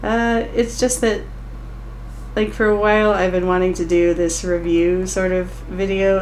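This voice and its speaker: A woman speaks at a moderate pace with a fairly low pitch. Noticeable background noise and audible room echo surround her. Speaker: artist and vlogger. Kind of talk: casual vlog monologue. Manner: halting, trails off.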